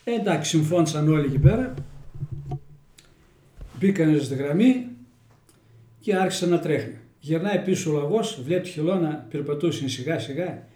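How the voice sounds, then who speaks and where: A man's voice: on the high side, animated, long pauses, dark tone. A man with a Kozani accent telling folk tales in a homely, folksy way, often restarting his sentences. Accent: Kozani Greek dialect. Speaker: storyteller interviewee. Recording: roomy echoey room.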